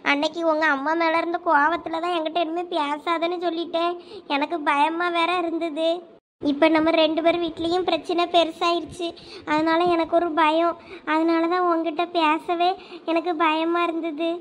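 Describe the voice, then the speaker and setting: A woman's voice: very high-pitched, a little hiss or hum. A woman voicing an apologetic, tearful young woman in a cartoon, with a Thoothukudi Tamil accent. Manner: pleading, apologetic. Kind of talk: cartoon voice acting.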